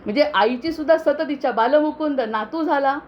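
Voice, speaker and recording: A woman giving a spiritual discourse, chanting verses slowly and then explaining them in a measured, self-correcting way. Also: high voice, muffled recording.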